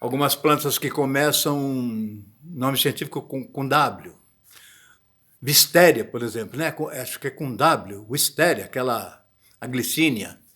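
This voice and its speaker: A man's voice: medium pitch, unhurried, pushed and bright. A man giving a casual video lesson on botanical Latin, chatty and often searching for words. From Brazil. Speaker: botany teacher.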